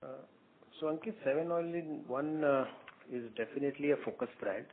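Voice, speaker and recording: A man with an Indian accent speaking as a company executive, answering questions off the cuff in a halting, repetitive way. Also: a little high, a little hiss or hum. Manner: halting, repeats words and phrases. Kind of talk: unscripted business conference call answers. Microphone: phone conference call. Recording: muffled tinny conference phone line.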